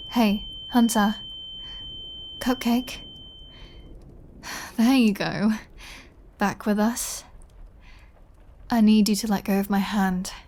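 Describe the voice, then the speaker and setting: A woman's voice: on the high side, a little mellow, slight background noise, heavily acted. A woman voicing a flirty, sarcastic, defiant female vampire in a scripted ASMR audio roleplay. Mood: teasing, tender. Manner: sarcastic, teasing, playful.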